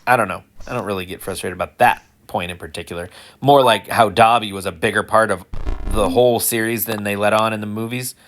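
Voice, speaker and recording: A man's voice: on the low side, fairly even intonation, a little fast, a bit bright. A man in his forties talking casually to camera, rambling and self-deprecating, often restarting sentences and chuckling to himself. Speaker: school employee sharing personal views. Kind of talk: casual monologue.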